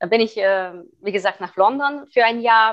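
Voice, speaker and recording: A woman's fairly high voice with a Hungarian accent and ordinary pitch variation. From Hungary, early childhood in East Germany. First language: Hungarian (speaking German). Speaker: hypnotist for quitting smoking. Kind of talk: interview.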